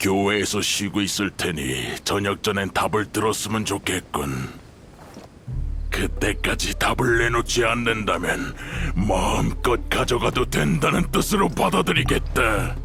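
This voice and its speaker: A man puts on a menacing character voice, fairly low and fairly slow, with clear background noise behind him. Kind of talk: video game dialogue. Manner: haughty, menacing.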